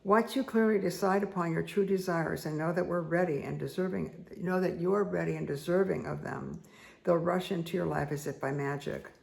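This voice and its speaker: A middle-aged woman with a hoarse, croaky voice, slowly reading cards and giving soft, repetitive spiritual guidance. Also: lowish voice, rough recording. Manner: slow, soothing, repetitive guidance with asides. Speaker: spiritual reader and meditation guide. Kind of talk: casual spoken card reading.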